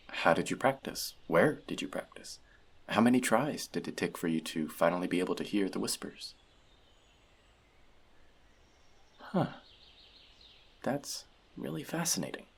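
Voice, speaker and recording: Guy playing a wise teasy elf friend, low husky voice, fantasy roleplay, talks gently right to you. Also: full character voice. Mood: curious, warm. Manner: conversational, teasing, reflective. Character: male elf friend, wise, teasing, gentle magic mentor. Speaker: voice actor. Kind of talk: fantasy audio roleplay addressed to the listener.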